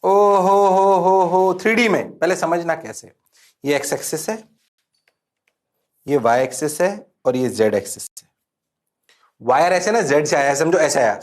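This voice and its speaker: A man teaching physics in an animated, playful exam-prep lecture, who teases his students and answers for them in a low mumble. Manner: playful, teasing, sings out exclamations; mimics students' replies in a low voice.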